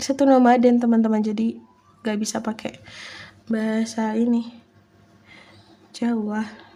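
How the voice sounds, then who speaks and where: Over noticeable background noise, a woman talks at a fairly slow pace in a fairly high voice. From East Java. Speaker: streamer drawing live. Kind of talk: casual live stream chat. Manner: casual, chatty.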